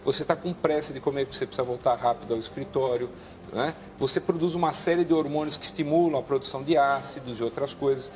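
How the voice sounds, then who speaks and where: A man speaking as a guest doctor on a TV talk show, calmly explaining health advice with frequent restarts. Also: mid-range voice, fast talker, faint music behind.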